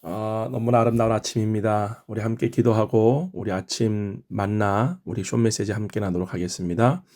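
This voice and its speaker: A man's voice: on the low side, steady tone, normal speed, a little mellow. A middle-aged man from Chungcheong, Korea, leading a morning prayer and explaining his sermon in an earnest, teaching way. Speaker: pastor.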